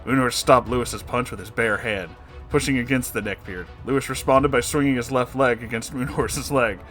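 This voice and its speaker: A man reads a comic story aloud as its narrator, with music playing behind him. His voice is mid-pitched, and his delivery is dramatic with an amused edge. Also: steady tone, moderate pace, fairly bright tone. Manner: amused, breaking into laughing asides.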